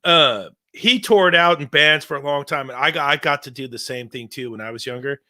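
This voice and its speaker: Excitable guy in his 50s, bright tone, talks in bursts and laughs a lot. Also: a little high, fairly quick. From California. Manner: excitable, rambling, laughs often. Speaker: podcast host. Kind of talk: casual chat.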